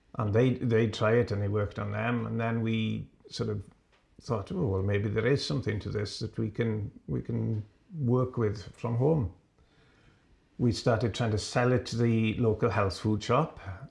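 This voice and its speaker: A man's fairly low, somewhat breathy voice moves at a moderate pace with fairly even intonation. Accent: strong Welsh. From Wales, Ceredigion. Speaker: business founder. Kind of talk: interview.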